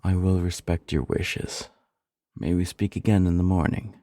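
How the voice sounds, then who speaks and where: A man playing a scornful, formal court sorcerer in a fantasy audio drama, with a gravelly, husky voice. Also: low voice, steady tone, moderate pace, warm tone, dry recording, studio quality. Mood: stiffly deferential. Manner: formal, insistent. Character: scornful male sorcerer, obsequious to royalty, irritable in private.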